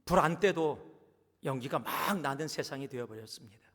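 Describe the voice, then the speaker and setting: A male pastor preaching a sermon emphatically, slowing down and dropping to a whisper for emphasis. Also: on the high side, animated, a bit bright. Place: church sanctuary. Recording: long church hall reverb.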